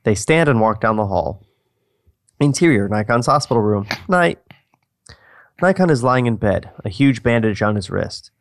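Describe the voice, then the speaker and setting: A man's voice: fairly low pitch, expressive, normal speed, gravelly, no room sound, studio quality. A man co-hosting a casual, joking script read-through, narrating stage directions and breaking off into asides. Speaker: co-host and screenplay narrator.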